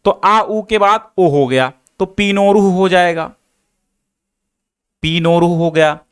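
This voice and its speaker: A young man teaches Hindi grammar in a slow, measured way, going over each rule more than once. His voice sits high and sounds smooth and clear. He keeps asking the class what comes next before giving the answer. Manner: explains slowly, repeats rules and asks rhetorical questions.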